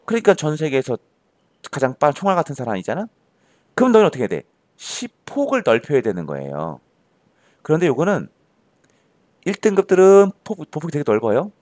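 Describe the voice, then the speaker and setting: A man's voice: mid-range voice, a little mellow, no echo. A male tutor giving an emphatic classroom lecture and firing rhetorical questions at his students. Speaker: Korean-language tutor.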